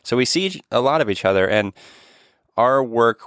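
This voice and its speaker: A man hosting a podcast about mental health, talking in an earnest, gentle way with frequent restarts and fillers. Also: medium pitch, expressive, moderate pace, no echo, clean studio sound. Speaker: podcast host. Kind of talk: casual podcast chat.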